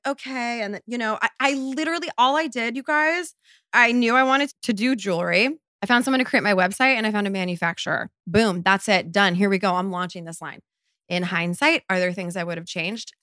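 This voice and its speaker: A woman in her thirties hosting a casual solo podcast and answering listener questions in a blunt, profane way, with quick bursts and emphatic repeats. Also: fairly high pitch, bright, forceful tone, no echo. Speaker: podcast host.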